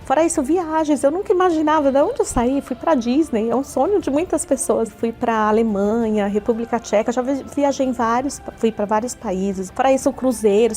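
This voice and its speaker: Her voice sits high and sounds warm as this Brazilian churchgoer in her forties recounts a sincere personal testimony, circling back to the same points often. The accent is Brazilian Portuguese, with faint music in the background.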